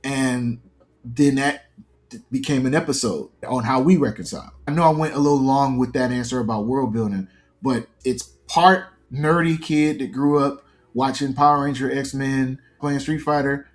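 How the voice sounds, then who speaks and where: An interview guest who makes fiction podcasts, this man in his early forties speaks at medium pitch and normal speed. His replies are sincere, reflective, and long, full of detail.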